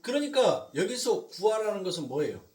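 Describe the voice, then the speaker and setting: A male pastor with a Jeolla accent preaching a sermon, swinging from loud emphasis to near whispers and slowing down on key points. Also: high voice, big pitch swings, roomy sound, recorded from a distance. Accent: Jeolla Korean. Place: church sanctuary.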